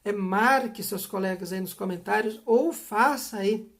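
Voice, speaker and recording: A woman's voice: mid-range voice, a little slow. A middle-aged Brazilian woman teaching English pronunciation to viewers, emphatic and scolding, full of tag questions. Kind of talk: teaching, direct address to viewers.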